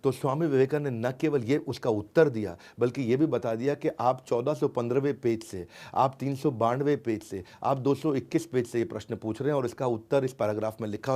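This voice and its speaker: A man telling stories in a lively talk, repeating phrases and dropping in tag fillers. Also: mid-range voice. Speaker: motivational storyteller. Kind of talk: storytelling talk.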